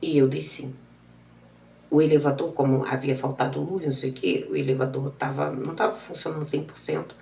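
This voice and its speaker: A woman's voice: low-pitched, fairly even intonation, a little fast, creaky, dark tone, echoey room, far from the mic. A woman, telling a personal story and acting out the dialogue. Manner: emotional, repetitive retelling with quoted dialogue. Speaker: channel host.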